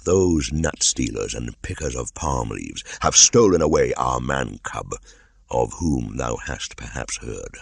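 A man voicing a calm male black panther in a storybook reading, speaking softly and deliberately. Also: vocal fry, breathy edge, dry recording, full character voice. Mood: calm, grave. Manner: soft, low and deliberate. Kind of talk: audiobook character voice.

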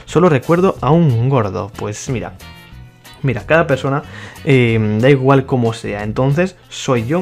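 A man's voice: mid-range voice, a little mellow. A man giving casual, mock-exasperated commentary on his gameplay and talking to his viewers. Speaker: gaming YouTuber.

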